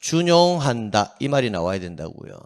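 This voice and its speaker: A man's voice: mid-range voice, moderate pace. A middle-aged man lecturing on exam prep, often asking a question and answering it himself, drilling his students to repeat key phrases aloud, and adding joking asides. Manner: animated, asks and answers his own questions.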